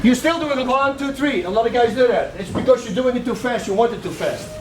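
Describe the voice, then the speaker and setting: A high-voiced man coaches a striking class in a training gym. He counts out combinations with punch sounds and shouts cues to his students. He sounds far from the camera, in a roomy hall with faint noise behind him. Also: fast talker. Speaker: martial arts coach.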